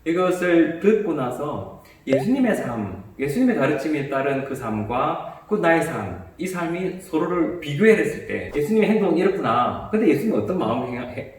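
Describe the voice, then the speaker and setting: A man, a priest, calmly explaining a bible commentary and how to meditate with it, with small restarts. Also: a little high, moderate pace, heavy reverb, distant mic, slight background noise.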